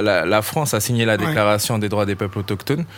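A man speaks with a fairly low pitch. His pitch variation is ordinary. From French Guiana. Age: young. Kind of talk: interview. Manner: halting.

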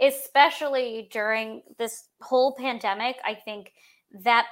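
In a plain, everyday voice, a woman talks with fairly even intonation on a very clean recording with a silent background. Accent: American. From New York, Long Island. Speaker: career coach. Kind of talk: casual interview.

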